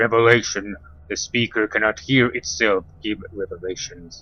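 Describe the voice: Using a put-on character voice, a man talks at a moderate pace and a medium pitch.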